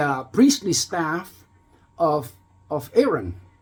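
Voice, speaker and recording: Over music in the background, a high-pitched man speaks with lively intonation. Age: 70s. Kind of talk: religious reflection talk. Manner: casual, hesitant.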